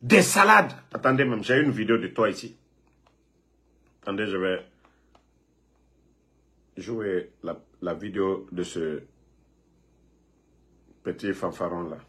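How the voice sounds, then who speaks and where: Guy going off on a live stream, sharp bright voice, keeps scolding n repeating himself. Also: sits low, expressive, slow, pauses often. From Guinea. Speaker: political online commentator. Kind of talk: live video rant.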